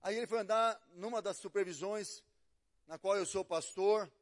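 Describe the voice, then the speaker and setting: High-voiced Brazilian pastor preaching. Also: male voice, normal speed. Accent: Brazilian Portuguese. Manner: storytelling, swings between hushed and loud. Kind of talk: sermon with acted quotes.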